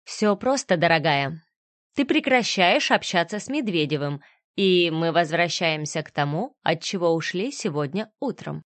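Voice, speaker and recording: A woman voicing a cold, menacing man who threatens his former partner with slow, sneering words, in a storybook reading. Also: on the low side, animated, dry recording, lightly acted. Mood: coldly mocking.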